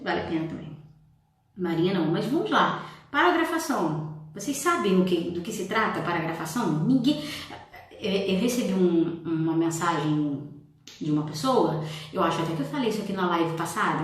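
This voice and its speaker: A woman's voice: mid-range voice, a bit bright. A woman teaching a writing class on a casual livestream, chatty, with exasperated asides and mock quotes of her students. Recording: echoey room, distant from the mic.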